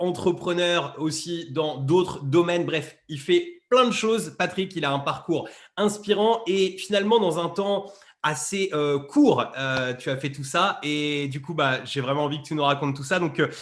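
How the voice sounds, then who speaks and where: The man speaks at a fairly slow pace. His voice is fairly high, with ordinary pitch variation. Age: 30s. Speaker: real estate youtuber, interviewer. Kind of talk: interview. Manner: hesitant, many fillers.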